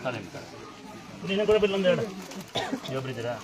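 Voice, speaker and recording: A man's voice: a little high, expressive, fast talker. A man at a busy temple gathering, scolding and consoling people in turn like a father. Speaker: temple elder handing out offerings. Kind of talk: speaking to devotees in a crowd. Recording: loud crowd behind.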